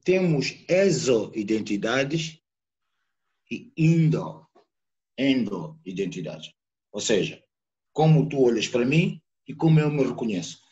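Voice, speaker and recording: Speaking from home in a live online talk, a Mozambican man with a Mozambican Portuguese accent, a poet and sociologist, delivers a reflective guest lecture, groping for words and repeating them as he thinks. His medium-pitched, darkish voice swings widely in pitch. The computer or phone mic on the video call gives a lo-fi sound.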